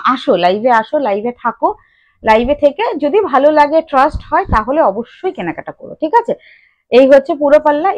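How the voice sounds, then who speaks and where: A woman's voice: high voice, no room sound, muffled recording. A woman with a Bengali accent hosting a live sari sale, chatting with viewers by name and repeating colours and prices. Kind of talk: live-stream sales chat.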